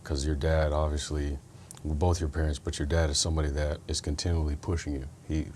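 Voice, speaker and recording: A man hosting an interview, affirming his guest and speaking in a steady, pointed way. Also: a bass voice, fairly quick, slight background noise. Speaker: podcast host. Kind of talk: conversational interview.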